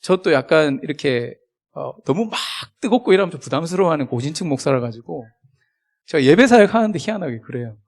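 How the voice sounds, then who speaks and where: A man preaching a sermon as a guest pastor, chatty and humorous, with big swings in loudness, acting out remembered conversations. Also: a little high, lively intonation, fast, vocal fry. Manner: acts out remembered dialogue.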